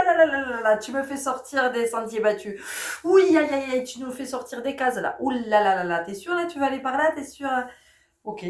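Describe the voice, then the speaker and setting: A middle-aged woman with a stuffy nose from a cold, giving a casual spiritual talk that speaks directly to listeners and often breaks into laughter. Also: mid-range voice. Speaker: spiritual guide. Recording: roomy sound, distant mic.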